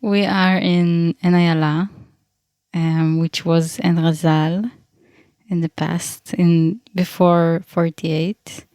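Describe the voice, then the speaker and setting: A woman in her thirties from Ukraine, raised in Israel, speaking slowly in a fairly low voice. She sounds thoughtful and hesitant, often pausing to find her words. The recording is dry and close. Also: flat delivery, a little mellow, no room sound. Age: 30s. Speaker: guest. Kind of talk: casual interview.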